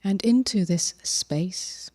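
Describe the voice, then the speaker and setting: A woman leading a guided meditation as a teacher, gentle and unhurried, with long pauses and soft, breathy phrase endings. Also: on the low side.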